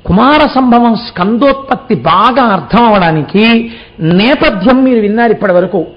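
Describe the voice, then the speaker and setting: A man's voice: sits high, animated, normal speed, lo-fi sound. A man giving a devotional sermon, explaining as he tells a story and asking rhetorical questions. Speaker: religious discourse speaker.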